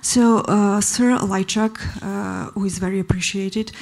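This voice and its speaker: A woman's voice: medium pitch, fairly even intonation, a little slow, vocal fry, a little mellow. A woman from Serbia in the audience at a forum, asking the panel a hesitant question with many fillers.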